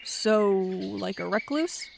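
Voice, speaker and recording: A woman's voice: medium pitch, slow pace, creaky, a little hiss or hum. A woman playing a sardonic, defiant doctor in an audio drama, talking in a wry, profane, emphatic way. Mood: wry, casual.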